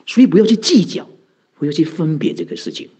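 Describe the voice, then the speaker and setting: Lively husky-voiced monk telling a story. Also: male voice, a little high. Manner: animated storyteller who chuckles and chants mantras slowly. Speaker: Buddhist monk giving a dharma talk. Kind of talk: storytelling dharma talk. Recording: dull lo-fi recording.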